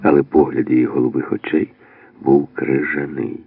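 Very deep gravelly male audiobook narrator. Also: normal speed, no room sound. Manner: steady storytelling. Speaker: audiobook reader. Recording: dry, phone-like narrow band.

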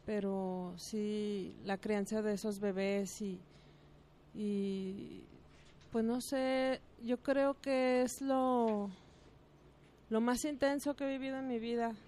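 A woman's voice: a little high, fairly even intonation, slow pace, warm tone. A woman, a guest and mother on a radio talk show, thoughtful and searching for words.

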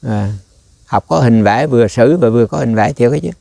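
Gravelly-voiced monk, warm and dry. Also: male voice, mid-range voice, brisk, no room sound. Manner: rambling, conversational, quizzes listeners. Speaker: Buddhist monk teacher. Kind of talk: dharma talk.

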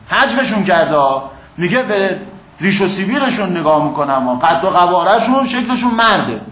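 A man's voice: sits high, fairly bright tone. Man lecturing in an echoey classroom. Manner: explanatory, asks the class "got it?". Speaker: teacher of Quranic exegesis and Arabic. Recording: echoey room, faint hum.

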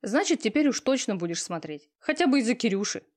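A woman voicing a pushy, talkative young female friend who teases and lectures loudly. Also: fairly high pitch, very animated, quick pace. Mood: bossy. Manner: loud, teasing, talkative.

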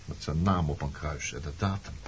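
An actor playing a bitter, accusing former resistance man in a Dutch radio drama, sardonic and deliberate as he probes. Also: rumbling low, slight background noise. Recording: dull lo-fi radio play recording.

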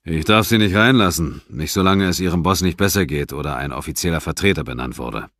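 A man voicing a friendly but firm male army sergeant who speaks calmly and plainly. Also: low voice, a little fast, no room sound, clean studio sound.

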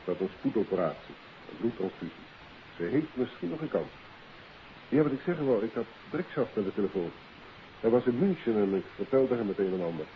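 An actor playing a matter-of-fact, dryly genial police inspector in a 1950s Dutch radio drama. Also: male voice, on the low side, very animated, a little fast. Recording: hissy, muffled old radio recording.

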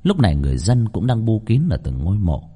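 A man narrating a ghost story with a dramatic, lively reading. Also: lowish voice, fairly quick, slightly rough.

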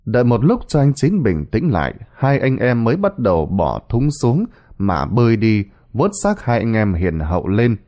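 Male storyteller, wildly expressive pitch, dramatic horror narration. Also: moderate pace. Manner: very animated, dramatic delivery.

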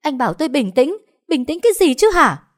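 A woman voicing a betrayed young wife in an audio story, bitter and often shouting. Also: on the low side, animated, normal speed, close to an everyday voice.

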